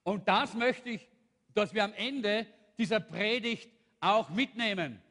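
A man's voice: sits high, takes it slowly, pushed and bright. A man, a pastor preaching a sermon and animatedly retelling a Bible story, acting out the characters. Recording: long hall reverb.

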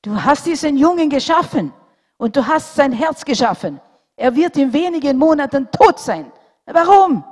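A woman voicing a grown male surgeon who speaks loudly and forcefully. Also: high-pitched, very animated, brisk, few pauses, voice pushed up. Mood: anguished. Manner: loud and forceful. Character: grown male surgeon, brusque then anguished. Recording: long hall reverb.

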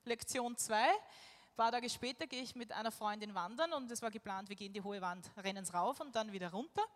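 Woman, vivid storytelling, fairly high voice, echoey hall. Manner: vivid storytelling, acting out her own thoughts. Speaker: speaker sharing a personal story. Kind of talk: personal testimony.

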